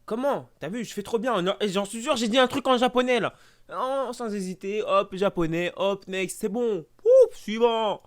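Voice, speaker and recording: A man's voice: high-pitched, moderate pace. Young man doing sarcastic game commentary. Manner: mock-exasperated, sarcastic, talks to himself. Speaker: gaming YouTuber. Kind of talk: casual let's-play commentary.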